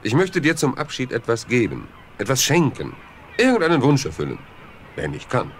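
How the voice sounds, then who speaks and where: An actor playing a mysterious count, also disguised as a priest, who speaks in a measured, polite and controlled way in a radio play. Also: male voice, medium pitch, huge pitch swings, slight background noise. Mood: warm, guarded.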